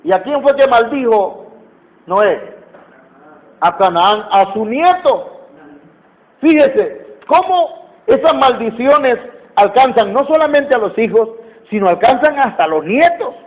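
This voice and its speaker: Mexican male preacher, high voice, emphatic sermon, tinny phone-line audio. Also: animated, slow pace, pauses often. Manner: emphatic, repeats key phrases, asks the congregation questions.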